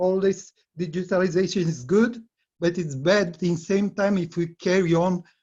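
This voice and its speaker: Against a quiet background, a man speaks at a moderate pace in a high pitch with a dark, mellow tone and fairly even intonation. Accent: Romanian. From Romania. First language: Romanian. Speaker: theatre professional. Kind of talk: panel discussion.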